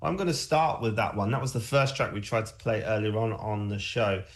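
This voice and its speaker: A man's voice: fairly low pitch, a little fast. A man hosting a music show, chatting casually about tracks in a rambling, hesitant way.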